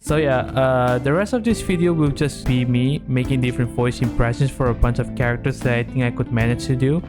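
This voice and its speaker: A man giving casual scripted YouTube commentary in a blunt, sweary, self-deprecating way. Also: mid-range voice. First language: not Japanese. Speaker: YouTuber narrator.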